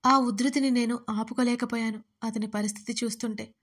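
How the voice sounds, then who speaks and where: A woman's voice: on the high side, fairly even intonation, brisk, husky. A woman narrating her own emotional love story in the first person, with dramatic, tearful storytelling. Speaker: writer and narrator of audio stories.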